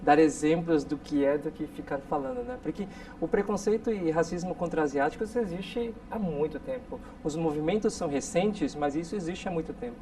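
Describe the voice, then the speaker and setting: A man in his forties from South Korea, a guest telling stories in a relaxed interview with many tag questions. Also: a little high, a little fast, hardly any pauses. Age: 40s. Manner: storytelling, frequent tag questions. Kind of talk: casual interview talk. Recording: distant mic with faint noise.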